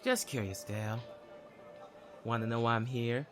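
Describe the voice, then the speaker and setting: An actor playing a cocky, mouthy young prisoner in a black comedy audio sketch, smug, theatrical and sarcastic. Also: male voice, medium pitch, normal speed, fairly bright tone, soft background music, natural voice. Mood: teasing. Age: young adult.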